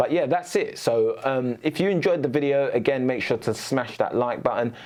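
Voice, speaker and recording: A man with a British accent, fairly high-pitched, at a moderate pace, loudness very even and pitch variation ordinary. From UK. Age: 20s. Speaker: YouTuber, affiliate marketer. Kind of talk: casual video monologue.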